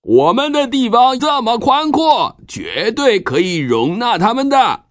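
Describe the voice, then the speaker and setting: A man voicing a persuasive tribal chief addressing townsmen in a drawn-out, declamatory way for a children's Bible story. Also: very high voice, sing-song, pitched above the performer's own voice, exaggerated voice. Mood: persuasive, hearty.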